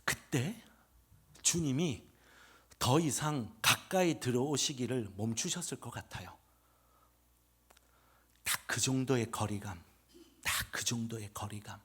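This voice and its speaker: A middle-aged male pastor with a Gyeongsang accent, preaching an emphatic revival sermon that swings from loud proclamation to hushed murmur. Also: medium pitch, measured pace, pauses often, slightly rough. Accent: Gyeongsang Korean.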